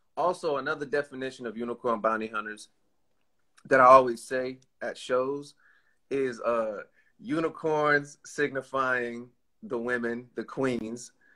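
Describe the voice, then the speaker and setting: Delivered at a fairly slow pace with long, frequent pauses, a man's bright, sharp tone comes with a Southern US accent and ordinary pitch variation. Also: medium pitch for a man. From Iran. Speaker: rapper. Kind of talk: interview.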